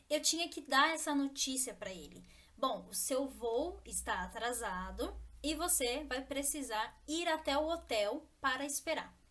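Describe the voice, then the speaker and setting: A woman's voice: sits high, fairly bright tone. A Brazilian woman, a Portuguese teacher, telling a personal story and speaking straight to the viewer in a scripted course promotion.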